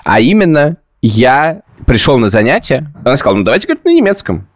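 A man's voice: mid-range voice, big pitch swings, fast. Male podcast host, mid-range voice, loose self-ironic storyteller. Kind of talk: casual podcast chat.

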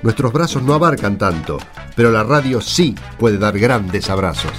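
A man's voice: on the low side, lively intonation, moderate pace, over loud music. A man with an Argentine accent presenting on radio in a scripted, folksy announcing style.

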